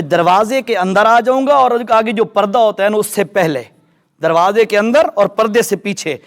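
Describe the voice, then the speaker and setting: A man giving a sermon in a mosque, telling a story and checking in with his listeners. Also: high voice. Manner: animated storyteller, addresses audience directly. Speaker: preacher.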